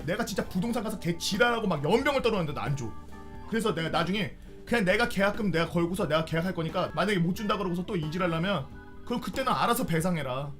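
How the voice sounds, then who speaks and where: A man's voice: high voice, expressive, fast talker, a bit bright, faint music behind. A young man streamer venting a story in casual, heated, profane talk.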